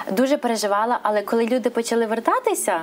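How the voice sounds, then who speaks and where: With noticeable background noise behind her, a woman speaks very fast at a fairly high pitch with lively intonation. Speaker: choir leader. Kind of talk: interview. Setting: studio. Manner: halting.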